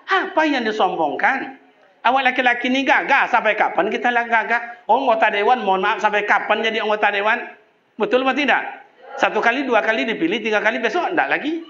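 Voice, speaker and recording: Lively, high-voiced joking preacher. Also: male voice, slight background noise. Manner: jokey, lively storytelling with mimicked voices. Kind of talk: humorous mosque sermon. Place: mosque. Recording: echoey mosque, dull sound.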